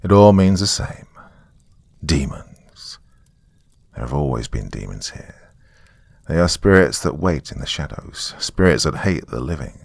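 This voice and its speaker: A man's voice: extremely low pitch, lively intonation, unhurried, vocal fry, pauses often, breathy edge, no room sound, exaggerated voice. A man voicing a solemn Native American elder who gives a grave, portentous warning in a horror story. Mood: ominous. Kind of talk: dramatic reading in a horror story.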